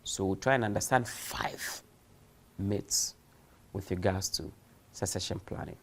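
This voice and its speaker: With slight background noise, a man with a deep, slightly bright voice speaks a little slowly in a recorded distance-learning university lecture. He stays emphatic, raising rhetorical questions and acting out examples.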